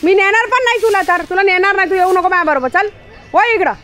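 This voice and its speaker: A woman, vlogging at home and scolding her pet dog in a loud, chiding way. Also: very high-pitched, fast talker, faint music behind. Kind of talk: casual home vlog.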